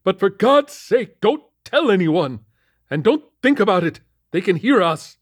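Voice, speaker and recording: A man voicing a paranoid, half-mad older police captain who shouts and cackles. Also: high-pitched, big pitch swings, measured pace, breathy edge, no echo, studio quality, pitched above the performer's own voice, heavily acted. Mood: panicked. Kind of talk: audiobook character voice.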